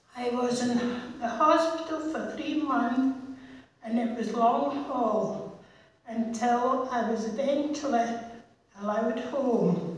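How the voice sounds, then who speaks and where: Speaking at a very slow pace, a woman uses high pitch with ordinary pitch variation. Strong room echo surrounds her voice. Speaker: church member giving testimony. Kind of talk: testimony. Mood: grateful, earnest. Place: church.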